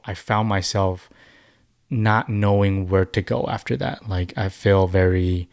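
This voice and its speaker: Low-voiced man with a dry close sound. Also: fairly even intonation, darkish tone, no echo. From China and Taiwan. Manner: thoughtful, halting, many restarts. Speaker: musician guest. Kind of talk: casual podcast interview.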